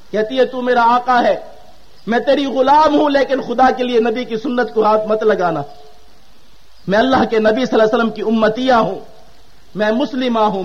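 Male preacher, very high voice, fiery and scolding, on dull lo-fi tape. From Pakistan. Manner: impassioned, exhorting, sharply scolding. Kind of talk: fiery sermon to women. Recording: muffled lo-fi tape recording.

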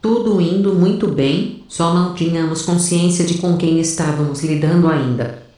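A woman playing a wary, resolute soldier who narrates a mission gravely in an audio drama. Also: on the low side, moderate pace, warm tone, close to an everyday voice. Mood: grave, measured. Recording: very echoey, distant from mic.

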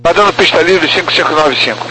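A man with a fairly high, bright and sharp voice gives clipped pilot readbacks. He is heard over a walkie-talkie style radio with faint noise. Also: animated, fast. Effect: voice over walkie-talkie style aviation radio. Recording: humming, faintly noisy aviation radio.

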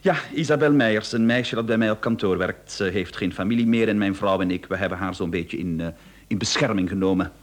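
An actor playing a nervous, evasive husband in a radio play, husky and haltingly polite. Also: male voice, fairly low pitch, slight background noise, close to an everyday voice. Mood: explaining, hesitant. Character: nervous, evasive husband feigning calm under police questioning.

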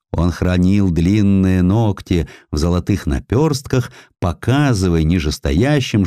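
A man narrating a historical audiobook with dramatic, deliberate, theatrical phrasing. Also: sits low, warm tone, no echo, clean studio sound.

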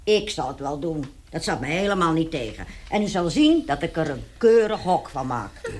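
Animated, brash charwoman. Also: low-pitched, moderate pace, a little hiss or hum. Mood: servile, chatty. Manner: chatty, colloquial, taunting. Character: brash, nosy charwoman, chatty and fearless. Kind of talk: radio play acting.

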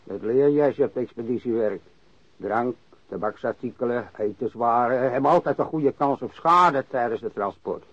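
An actor playing a crusty old warehouse worker and ex-sailor who grumbles and rambles bluntly, in a radio drama. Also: male voice, medium pitch, normal speed, breathy edge, no echo, natural voice. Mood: grumbling, reminiscing. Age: older. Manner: grumbling, rambling, cursing, repeats himself. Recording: dry, dull lo-fi radio recording.

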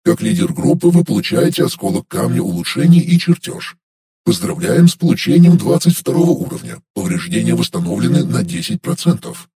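A man voicing the impersonal announcer of a game system, in a flat, formal announcing manner. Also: fairly high pitch, a little fast.

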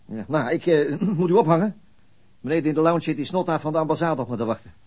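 An actor playing a weary, dogged police detective who talks hesitantly in a radio drama. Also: male voice, fairly high pitch, animated, fast talker, darkish tone, slightly rough. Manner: hesitant, with frequent stops.

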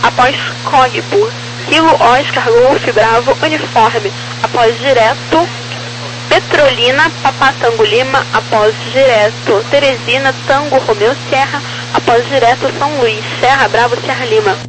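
A highish-voiced Brazilian woman speaks as an air traffic controller over a crackly aviation radio with clear noise and hum. She delivers clipped, procedural instructions in standard phraseology, spelling out codes with the phonetic alphabet. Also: measured pace.

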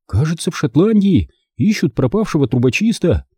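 A desperate little boy from a storybook, as a man voices him, raised high above the reader's own voice. He pleads urgently and thinly, and the sound stays close and dry. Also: wildly swooping pitch, moderate pace, slightly rough, no room sound, full character voice. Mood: unsure. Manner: pleading and shouting.

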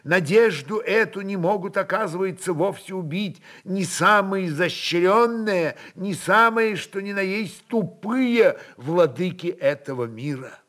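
Slow, emphatic male literary narrator. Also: high voice, animated, a bit bright.

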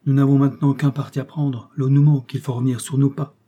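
A man's voice: mid-range voice, little pitch movement, quick pace, mellow, lightly acted. A man voicing an exhausted young man pleading desperately, in a storybook reading.

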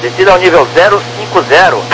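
A man's voice: sits high, expressive, fast talker, over loud music. A Brazilian man working as an air traffic controller, giving clipped instructions in radio phraseology over an aviation radio. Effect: aviation radio transmission. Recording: noisy, humming aviation radio channel.

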